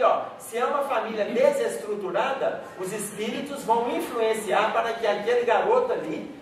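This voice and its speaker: A man giving a lecture, telling a story and checking in with the audience. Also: high-pitched. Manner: storytelling, acts out dialogue, frequent "tá?" check-ins. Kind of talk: spiritist lecture with audience questions. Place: lecture hall. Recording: echoey hall from far off, noisy.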